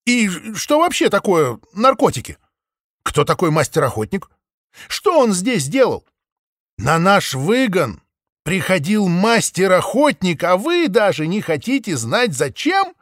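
A man's voice: on the high side, big pitch swings, normal speed, no echo, clean studio sound. A man doing an eager lady sheep detective. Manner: eager, insistent. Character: curious determined female sheep detective.

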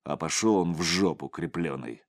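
A man voicing a gruff male policeman in his forties who growls and barks short orders. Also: low voice, lively intonation, measured pace, darkish tone. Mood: angry.

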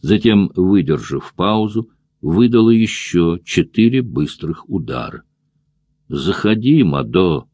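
A male narrator reading a thriller audiobook in a steady, measured way. His voice is very deep, with a dark, mellow tone. The recording is close and dry, with no room sound. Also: no echo. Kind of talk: scripted narration of a thriller novel.

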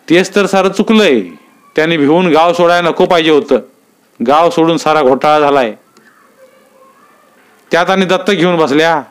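A man's voice: fairly high pitch, smooth, voice pushed up, natural voice. A man voicing anxious rural villagers with rustic, worried speech.

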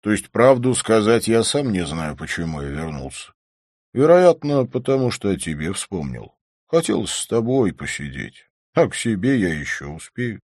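A man's voice: on the low side, very animated, normal speed, darkish tone, dry recording, studio quality. A man voicing a teasing, easygoing friend. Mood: puzzled. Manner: coaxing, joking, lightly raised. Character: easygoing, teasing male friend, calm and wry.

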